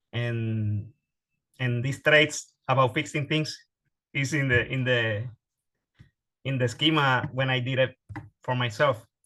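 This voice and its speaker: A man with a Spanish accent has a bright, sharp tone and medium pitch. He goes at a fairly slow pace with fairly even intonation and long, frequent pauses. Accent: Spanish accent, noticeable. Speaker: psychologist. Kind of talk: training talk. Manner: halting, many repetitions.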